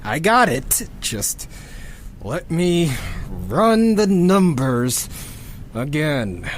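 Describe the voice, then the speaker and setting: Stressed sweary math nerd, mutters super slow, pitch all over, faint rumble. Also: female voice, sing-song, full character voice. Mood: frustrated, preoccupied. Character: stressed, sweary woman number-cruncher, absorbed and stubborn.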